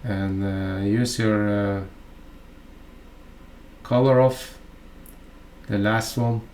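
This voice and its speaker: A fairly low-pitched, darkish voice belongs to a Norwegian man narrating a fly-tying tutorial in his Norwegian accent. He keeps a steady tone while speaking haltingly and chattily, full of fillers and digressions.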